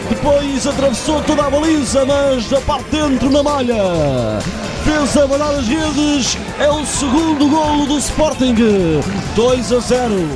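A man with a European Portuguese accent calls a futsal match in dramatic football commentary style. His voice is very high and strained into excited shouts, with drawn-out, repeated phrases. Loud music plays behind him. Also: a crowd in the background, low-quality recording.

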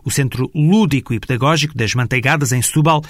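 A man reading a scripted news report voice-over with a measured, formal delivery. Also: medium pitch, a bit bright, no room sound, clean studio sound. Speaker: reporter narrator. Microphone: studio voice-over.

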